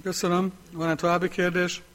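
A man chairing a local council meeting, calling items and announcing vote results in a brisk, procedural way. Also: sits high, monotone, a bit bright.

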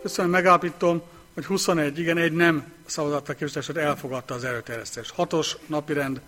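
Man, council meeting chair, formal, brisk, repetitive vote calls, slightly high pitch. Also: steady tone, a bit bright, soft background music.

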